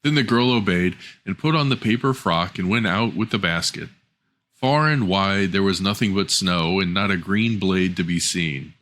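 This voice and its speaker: A man's voice: low-pitched, normal speed, fairly bright tone. A man reading a scripted fairy tale as a storyteller.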